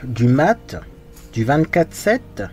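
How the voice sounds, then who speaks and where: A man's voice: mid-range voice, sing-song, very slow, darkish tone. Chatty man reviewing makeup, faint music. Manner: chatty, frank, thinking aloud while working. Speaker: makeup vlogger. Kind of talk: casual get-ready-with-me commentary.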